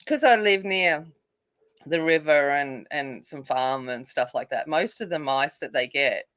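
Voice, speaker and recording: A woman's voice: low voice, measured pace, fairly bright tone. A woman casually chatting with live viewers as she colors, rambling and full of fillers. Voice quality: not soothing by her own account. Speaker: coloring channel host. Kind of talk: casual chat while coloring.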